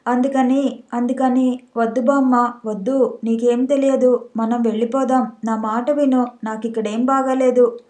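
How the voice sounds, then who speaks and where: An insistent, proud young woman, read by a woman narrator in a fairly high, flat, mellow voice. The recording sounds echoey, as if made in a bare room. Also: measured pace, natural voice. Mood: upset. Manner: indignant, insistent.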